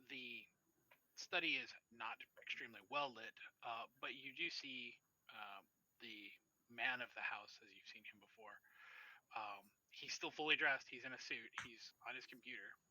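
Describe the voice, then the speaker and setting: Bright-voiced man running a tabletop game. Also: medium pitch, big pitch swings, normal speed, creaky, no room sound, poor audio. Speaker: game master. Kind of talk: narrating a tabletop role-playing game.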